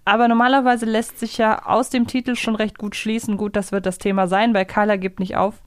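A woman's voice: medium pitch, level tone, brisk, clean tone, no room sound. Woman podcast host, dry close sound. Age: 30s. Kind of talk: casual chat.

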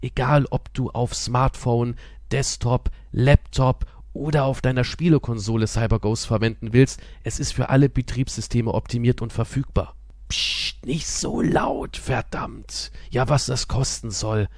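Male host, comic sponsor read, conspiratorial hush, dry close sound. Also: mid-range voice, fairly even intonation, moderate pace, no room sound. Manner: conspiratorial, shushing, playful. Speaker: host reading a sponsor spot. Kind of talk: comic ad read as a hushed time traveler.

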